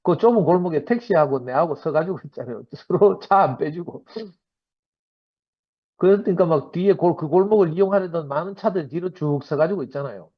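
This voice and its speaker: A man in his fifties with a Gyeongsang accent, giving a sermon-style personal testimony to a church gathering in a lively storytelling manner. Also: a little high, fairly quick, slightly rough. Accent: Gyeongsang Korean. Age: 50s. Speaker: church member giving a talk. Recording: dull lo-fi recording.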